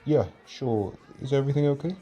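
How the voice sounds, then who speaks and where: A man plays an amiable, easygoing male friend at a party in an audio drama. His voice is medium in pitch and relaxed, with a casual, friendly way of talking. Party music plays behind him. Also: fairly quick, slightly rough, muffled recording, some chatter behind, lightly acted. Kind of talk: casual roleplay dialogue.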